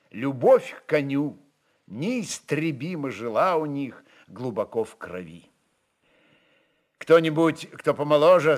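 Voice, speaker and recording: A man reads literary prose as an expressive narrator. His voice sits a little high, moves widely in pitch and keeps a slow, storytelling pace.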